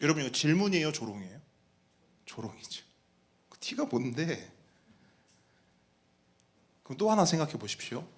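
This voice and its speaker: A man's voice: on the high side, big pitch swings, fast. A man preaching a sermon as pastor, talking in a conversational way, putting questions to the congregation and acting out mocking voices.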